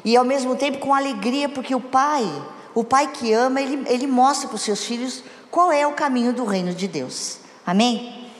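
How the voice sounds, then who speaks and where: A church speaker with a high-sitting voice delivers a conversational sermon on marriage at a moderate pace, often putting questions to her congregation. The recording is from an echoey hall with long reverb.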